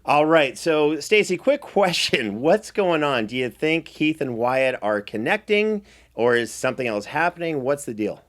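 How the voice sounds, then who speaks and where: A man's voice: fairly high pitch, big pitch swings, moderate pace, hardly any pauses. A man hosting a chatty recap show in an enthusiastic, effusive way. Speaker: podcast host and producer.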